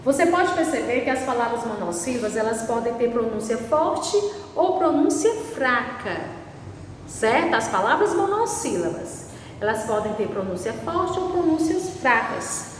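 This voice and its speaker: A woman teaching a language lesson, stretching out examples slowly and checking with "right?" after nearly every point. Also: on the high side, big pitch swings. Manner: slow, drawn-out spelling of examples, constant "certo?" checks. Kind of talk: recorded online class. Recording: distant echoey room recording, faint background noise.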